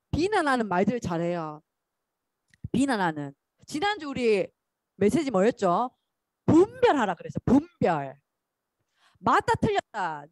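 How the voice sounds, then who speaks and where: A woman's voice: high-pitched, dry recording. A woman preaching to children at a church, calling out lines for them to repeat. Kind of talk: sermon to children.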